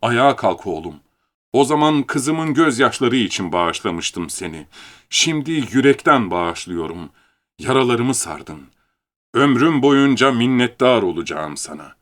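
A man's voice: medium pitch, lively intonation, measured pace, fairly bright tone. A man reading an audiobook, voicing an older male official who speaks with patronizing false kindness. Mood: forgiving.

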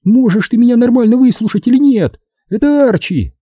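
A man's voice: very high-pitched, lively intonation, fairly quick, mellow, slightly rough, dry recording, pitched above the performer's own voice, exaggerated voice. A man reading an audiobook, voicing a tipsy young woman who rambles indignantly through her points. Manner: drunken rambling, counting points.

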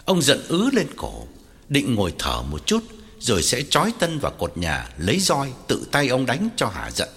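A man's voice: medium pitch, wildly swooping pitch, normal speed, fairly bright tone, breathy edge. A man narrating a story with dramatic, widely varied delivery. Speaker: audiobook narrator. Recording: long hall reverb, faint music.

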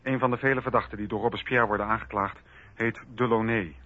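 A man narrating a historical radio drama from a script in a measured, factual way. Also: lowish voice, steady tone, sharp tone. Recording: slightly dull radio recording.

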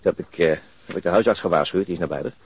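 An actor playing a world-weary police detective in a radio drama, husky and matter-of-fact. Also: male voice, sits low, very fast, darkish tone, no echo. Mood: weary, wry. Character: brisk, world-weary male police detective at a crime scene. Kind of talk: naturalistic radio drama acting.

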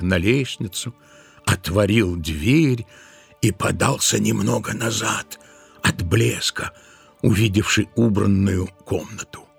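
A man narrating a literary tale as part of an audio drama, in an expressive, dramatic storytelling manner. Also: mid-range voice, creaky, husky.

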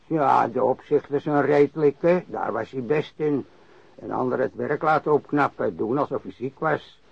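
An actor playing a crusty old warehouse worker and ex-sailor who grumbles and rambles bluntly, in a radio drama. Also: male voice, medium pitch, moderate pace, creaky, slightly rough, dry recording. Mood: grumbling, reminiscing. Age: older. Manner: grumbling, rambling, cursing, repeats himself. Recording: dry, dull lo-fi radio recording.

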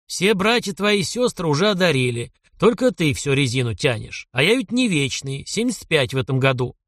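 A domineering grandfather of seventy-five, voiced by a male reader, barking blunt orders and teasing jokes. His voice swings with lively pitch and sits fairly high for a man. The recording is close and dry. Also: a little fast, no room sound. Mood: gruff bossy. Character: gruff 75-year-old count, domineering bossy grandfather.

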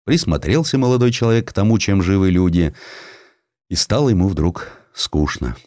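A man with a deep voice narrates historical literature in a dramatic storytelling style. His delivery is lively and widely varied in pitch, and the recording is dry and close. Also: normal speed, no echo. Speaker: audiobook narrator.

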